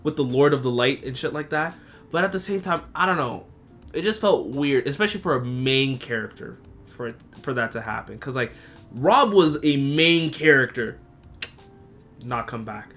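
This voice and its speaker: Animated young man ranting on a podcast. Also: normal speed, soft background music. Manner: animated and profane, jumping to high excited squeals then muttering low asides. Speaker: podcast host. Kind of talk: casual solo podcast recap.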